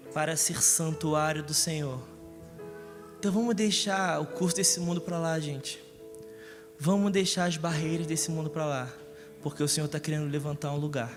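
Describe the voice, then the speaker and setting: High, lively preacher. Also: male voice. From Rio de Janeiro, Brazil. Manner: lively, joking, asks the congregation questions. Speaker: pastor. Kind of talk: live Sunday sermon. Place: church service in a large hall. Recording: echoey church hall with music.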